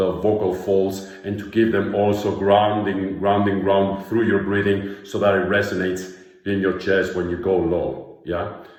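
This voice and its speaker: Monotone, flat delivery at a moderate pace, with noticeable background noise and audible room echo. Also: man. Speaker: vocal coach. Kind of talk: tutorial. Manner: frequent 'yeah?' check-ins.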